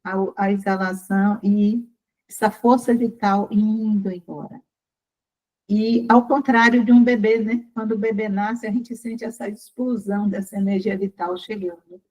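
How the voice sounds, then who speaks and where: An older Brazilian woman leading a study group, reading aloud and talking slowly and carefully to save her strained throat, often asking the group questions. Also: medium pitch, steady tone, a little mellow, rough recording. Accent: Brazilian Portuguese.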